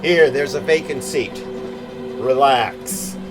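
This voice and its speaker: A man playing a calm, wry ghost senator. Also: mid-range voice, slow pace, close to an everyday voice. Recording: music bed behind.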